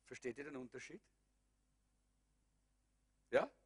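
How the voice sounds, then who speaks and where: A man's voice: medium pitch, animated, takes it slowly, breathy edge. A man preaching a sermon that ends in prayer, fervent and calling out hallelujah again and again. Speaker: pastor.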